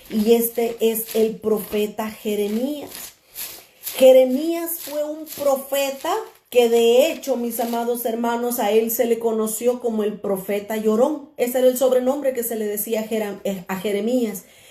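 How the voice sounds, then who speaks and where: A woman with a fairly high pitch talks at a fairly slow pace in a passionate tone, with ordinary pitch variation. Noticeable background noise and audible room echo fill the recording. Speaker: preacher. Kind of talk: sermon.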